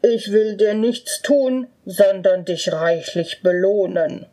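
A woman voicing an arrogant male spirit trapped in a bottle, calling out in slow, loud, drawn-out words. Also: mid-range voice, pitched below the performer's own voice, natural voice. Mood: bargaining.

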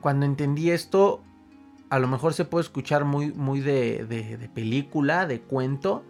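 A young man with a Mexican accent telling an emotional personal story to an audience, animated and repeating words for emphasis. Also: medium pitch, unhurried, gravelly, soft background music.

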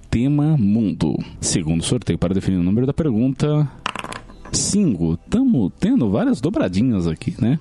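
A man hosting a quiz game, reading out questions slowly and joking with the contestant. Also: mid-range voice, mellow, slight background noise. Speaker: quiz show host.

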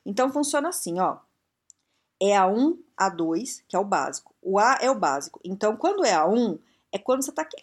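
A woman from Brazil giving frank, blunt career advice straight to the viewer, full of rhetorical questions. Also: medium pitch. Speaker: career and English-learning advice speaker. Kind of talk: casual direct-to-viewer advice talk.

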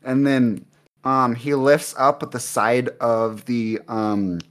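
A man's voice: medium pitch, level tone, takes it slowly, fairly bright tone. A man narrating as game master in an improvised tabletop game, rambling with many ums and likes over a voice call.

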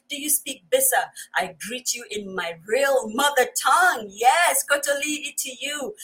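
Lady doing a chatty livestream, bit husky, super effusive, says stuff twice. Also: on the high side, fairly bright tone, rough recording. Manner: effusive, repeats phrases, greets in many languages. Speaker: host of a live online show. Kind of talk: chatty livestream greeting of viewers.

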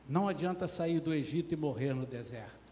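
A man preaching a sermon with passion, firing rhetorical questions and swinging between loud and soft. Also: fairly high pitch, lively intonation, a little fast. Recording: echoey church hall with faint noise.

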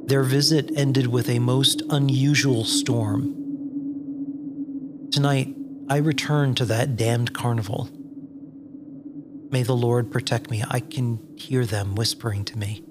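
A man playing a wary, exasperated wasteland survivor in a dark comedy audio drama, terse and cautious, with music behind. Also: mid-range voice, fairly even intonation, takes it slowly, pauses often, very noisy, natural voice. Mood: hushed, grave. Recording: music under the voice.

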